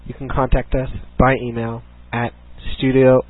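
A man with a husky voice, co-hosting a casual fan show in an easygoing, matter-of-fact way. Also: medium pitch, monotone, moderate pace. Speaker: co-host. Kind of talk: casual chat. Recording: lo-fi phone-like internet stream.

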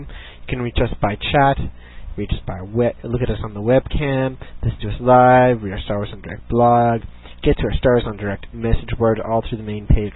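A husky-voiced man is co-hosting a casual talk show. He sounds easygoing and matter-of-fact as he reads out the contact details. The sound is narrow and phone-like. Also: mid-range voice. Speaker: co-host. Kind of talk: casual chat. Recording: lo-fi phone-like internet stream.

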